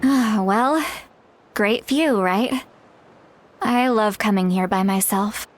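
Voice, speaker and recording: An actress voices a frank, self-deprecating tribal elder woman in a video game, speaking casually with wry, hesitant asides. Her natural voice is medium-pitched and slow, with music playing behind it.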